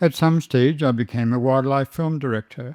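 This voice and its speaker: A man speaks with a dark, mellow tone. The sound is dry and close with no echo, over a quiet background. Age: 80s+. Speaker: wildlife filmmaker. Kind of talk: formal speech. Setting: stage with audience. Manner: formal.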